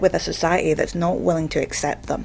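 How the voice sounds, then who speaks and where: Music plays in the background as a woman with a fairly low pitch speaks in a Scottish accent. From Scotland. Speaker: video blogger on stammering. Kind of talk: educational vlog monologue. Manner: disfluent with frequent fillers.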